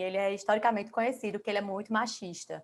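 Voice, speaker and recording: A woman speaks with a Paraíba accent at a medium pitch. The background is quiet. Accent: Northeastern Brazilian (Paraíba). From Brazil, Paraíba (João Pessoa). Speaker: lawyer and startup-law firm co-founder. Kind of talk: panel discussion.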